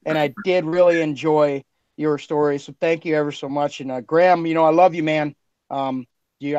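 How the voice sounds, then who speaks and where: A man's voice: on the high side, darkish tone, clean tone, dry recording, dull audio. A man hosting a podcast, chatting casually in an effusive, informal way. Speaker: podcast host and producer. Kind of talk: casual chat.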